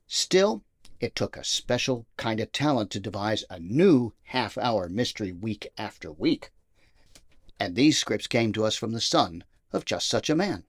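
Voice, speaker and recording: A man's voice: lowish voice, big pitch swings, a little slow, no echo, clean studio sound. A man hosting, moving between scripted introduction and interview questions. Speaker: host and interviewer.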